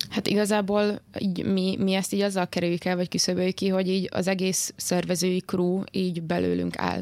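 A woman's fairly low voice, flat and monotone, at a fairly quick pace. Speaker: student union officer. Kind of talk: casual interview. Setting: studio.

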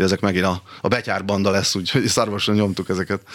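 A man talks very fast, and the recording is very clean with a silent background. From Hungary, Szarvas area. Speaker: poet and writer. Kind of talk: casual interview chat; poetry reading. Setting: radio studio.

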